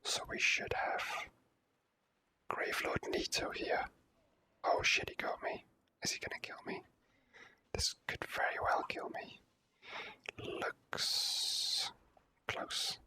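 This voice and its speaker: A person whispering softly in an ASMR style while commentating on a video game, speaking in halting phrases with pauses. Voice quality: soft unvoiced whisper. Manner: slow, halting delivery with pauses. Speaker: let's play host.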